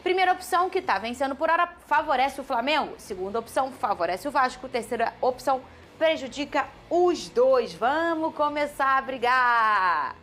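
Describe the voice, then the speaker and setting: Woman, Brazilian Portuguese accent, sports show host, high voice, lively questions. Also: normal speed, a little hiss or hum. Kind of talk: studio sports debate.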